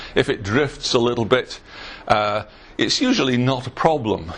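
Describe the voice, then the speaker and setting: The man has a British accent. He talks at a moderate pace. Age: 60s. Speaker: engineer giving a talk. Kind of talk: lecture. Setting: room with audience. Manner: halting, many fillers.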